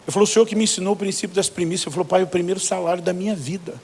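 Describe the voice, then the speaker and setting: Brazilian pastor telling stories from the pulpit. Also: male voice, high voice, racing, slight background noise. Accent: Brazilian Portuguese. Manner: animated storyteller acting out both sides of conversations. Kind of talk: sermon storytelling with quoted dialogue.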